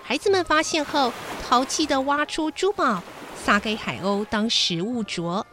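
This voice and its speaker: High-voiced woman telling a bedtime story. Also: measured pace, background noise. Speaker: children's story show host and narrator. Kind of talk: expressive children's bedtime storytelling. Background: background music.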